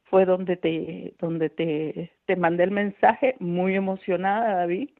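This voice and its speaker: A woman's voice: on the low side, fairly even intonation, takes it slowly, no echo. A middle-aged woman, a radio volunteer, tells a personal story over the phone. She speaks with feeling, calls herself a nervous person, and acts out the voices of the people she quotes. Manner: self-described nervous, anxious speaker. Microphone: telephone. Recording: tinny dry phone line.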